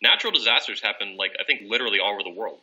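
Fast, sharp-voiced young man hosting. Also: fairly low pitch, expressive, low-quality recording. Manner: blunt and profane, quick agreeing interjections. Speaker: host. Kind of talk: casual interview. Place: room with bookshelves, indoors. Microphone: desk mic on a stand.

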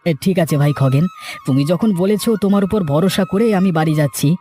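A man's voice: high voice, moderate pace, dark tone, close to an everyday voice. Guy doing a sad meek cartoon farmer, broke n trusting, pleading tone, music behind. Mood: trusting, grateful. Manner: plaintive, pleading. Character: poor, trusting male village farmer, sorrowful and meek. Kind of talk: dramatic cartoon voice acting.

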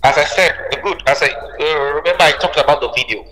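A man's voice: a little high, fast, sharp tone, soft background music. A man speaking as a musician guest in an interview, emphatic and repeating phrases for stress. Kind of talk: interview conversation. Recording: reverberant room with long echo.

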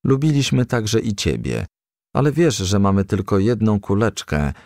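Man playing firefly father, storybook, solemn, cautious, grave, hesitant, deep pitch, gravelly fry. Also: big pitch swings, moderate pace, a little mellow, no room sound, studio quality. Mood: solemn, regretful.

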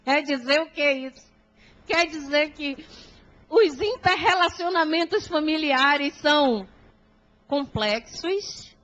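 A woman's voice: high-pitched, expressive, slow, fairly bright tone. A Brazilian woman with a Brazilian Portuguese accent gives a gospel lecture to an audience in a large auditorium, speaking into a handheld microphone. She talks emphatically and often puts rhetorical questions to the listeners. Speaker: spiritist lecturer. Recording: dull lo-fi hall recording.

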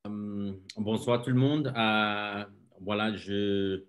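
Low-voiced man joking on a call. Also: fairly even intonation, slow. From Nicaragua. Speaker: guest, engineering school teacher. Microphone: video call.

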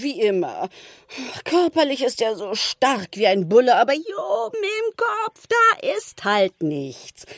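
An actress playing a chatty, ageing village shopkeeper in a radio play, homely, teasing and confiding. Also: female voice, a little high, no room sound, studio quality. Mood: resigned, weary. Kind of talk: German radio play acting.

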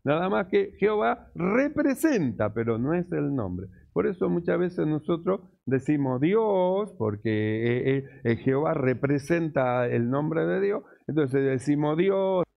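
A man preaching a sermon as pastor, teaching slowly and deliberately, repeating key words. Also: fairly high pitch, big pitch swings, gravelly, lo-fi sound. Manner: slow, deliberate teaching with repetitions.

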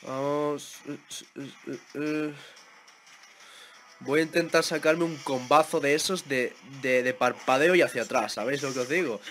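A young man with a Spain Spanish accent giving excitable live gameplay commentary, repeating words in quick bursts as he plays. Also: a little high, faint music behind. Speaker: gaming YouTuber.

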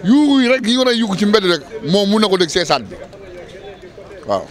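A young man answering a street interview outdoors, talking loudly and emphatically into handheld mics. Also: high voice, fairly quick, a faint crowd. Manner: loud, emphatic and animated. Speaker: passer-by interviewee. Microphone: handheld reporter mics held close.

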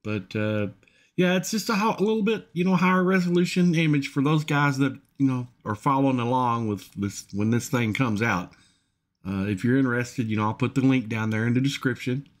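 A man hosting a repair channel, giving a casual off-the-cuff update in a halting, folksy way. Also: medium pitch. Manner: halting, hesitant, folksy phrasing. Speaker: host of an engine repair channel.

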